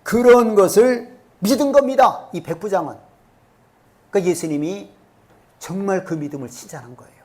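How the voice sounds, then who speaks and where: A man's voice: high-pitched, normal speed, long pauses, a little mellow. A male pastor preaching a sermon in a church, often asking the congregation questions. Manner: asks the congregation rhetorical questions. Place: church sanctuary.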